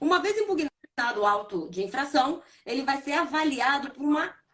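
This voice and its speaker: A woman speaks at a moderate pace with a Carioca accent. Her pitch swings very widely. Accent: carioca accent, noticeable rolled R. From Rio de Janeiro, Brazil. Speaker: tax lawyer and tax appeals board member. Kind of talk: podcast interview explanation.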